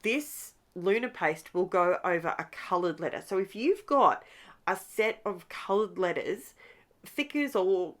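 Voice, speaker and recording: A woman's voice: medium pitch, animated, a little slow. A middle-aged Australian woman with a congested nose, chatting enthusiastically through a scrapbooking tutorial as she works. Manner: chatty, enthusiastic, talks while crafting. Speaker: scrapbooking channel host. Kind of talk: casual craft tutorial chat.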